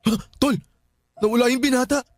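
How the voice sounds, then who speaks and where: An actor playing a nervous, excitable young man at a wake, in a radio drama. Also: very high voice, brisk. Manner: jumpy, excitable.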